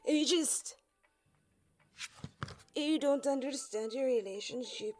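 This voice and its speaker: A woman's voice: high voice, slow, a little mellow, faint music behind, pitched above the performer's own voice. A woman voicing an anxious, earnest young crewmate in a sci-fi audio drama, hesitant and stammering. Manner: stammering, tentative, nervous.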